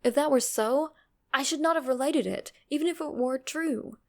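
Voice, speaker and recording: A woman's voice: high-pitched, moderate pace, voice pushed up. A woman voicing an uneasy, formal man who recounts an uncanny apparition in a dramatic horror reading. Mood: insistent, unsettled.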